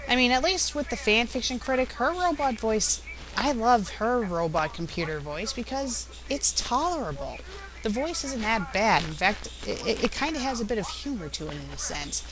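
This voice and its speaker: A woman's voice: medium pitch, expressive, moderate pace, rough recording. A woman hosting a casual, off-the-cuff commentary on her own web show, chatty and openly opinionated. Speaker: web show host and critic.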